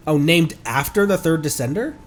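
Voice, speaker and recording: A young man streaming a game in casual chat, congested and stuffed up, rambling with many ums and breaking into sudden excited outbursts. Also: a little high, normal speed, slight background noise.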